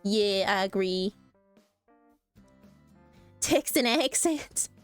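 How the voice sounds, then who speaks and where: A young adult woman streaming casually, reacting to posts in a playful, animated way and laughing often. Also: medium pitch, extremely slow, no echo, faint music behind.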